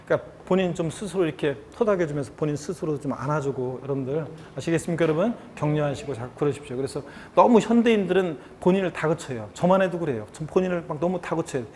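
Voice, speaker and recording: Chatty male lecturer, higher voice. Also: animated, quick pace, few pauses, darkish tone, slight background noise. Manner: chatty, repetitive, addresses students directly. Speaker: exam prep instructor. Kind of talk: recorded online lecture. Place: lecture studio.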